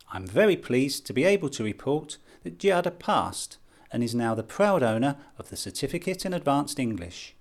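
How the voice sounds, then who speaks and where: A man hosts a podcast, his pitch rising and falling in a lively way. He speaks clearly and deliberately, spelling things out with care as he interviews his guest. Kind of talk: scripted intro, then interview questions.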